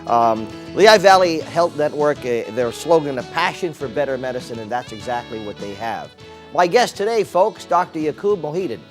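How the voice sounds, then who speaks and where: A man's voice: fairly high pitch, animated, moderate pace, soft background music. Rambling folksy male talk show host. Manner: rambling, filler-heavy, folksy. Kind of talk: local TV talk show interview.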